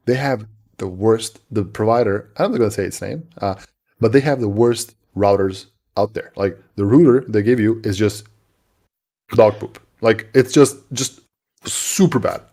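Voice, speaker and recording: A man from Serbia, a native Serbian speaker, co-hosting a casual tech chat on a live stream in a halting way, often repeating his words. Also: lowish voice, warm tone.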